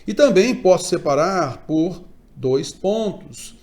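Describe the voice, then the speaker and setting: A Brazilian man teaching a Portuguese grammar lesson online, explaining step by step and often checking in with quick tags. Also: sits high, expressive, darkish tone. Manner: didactic, frequent check-in tags, emphatic stresses. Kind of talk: online exam-prep lecture.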